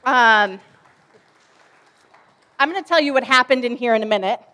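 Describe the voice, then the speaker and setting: A woman's voice: on the high side, expressive, moderate pace, sharp tone, some chatter behind. A woman in her forties, a children's ministry director, giving a chatty object lesson sermon from a church stage with lots of fillers.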